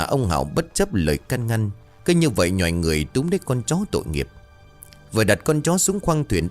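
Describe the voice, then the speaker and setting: A man's voice: lowish voice, darkish tone. A man narrating a horror story in a dramatic, suspenseful way.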